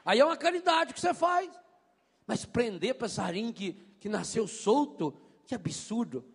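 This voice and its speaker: A priest preaching a sermon, telling stories in an animated way and mimicking voices. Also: male voice, very high-pitched, normal speed, gravelly, breathy edge. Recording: long hall reverb.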